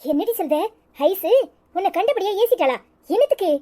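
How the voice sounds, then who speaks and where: A woman's voice: very high voice, very animated, moderate pace, mellow. A woman voicing a bossy, caring elder village sister in a cartoon, with a Tirunelveli Tamil accent and a blunt, motherly manner. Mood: stern. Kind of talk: cartoon voice acting.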